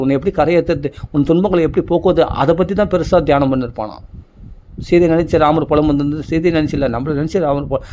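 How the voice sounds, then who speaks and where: A man's voice: a little high, darkish tone, a little hiss or hum. A man giving a devotional discourse, emphatic and repetitive, asking many rhetorical questions. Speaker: religious speaker.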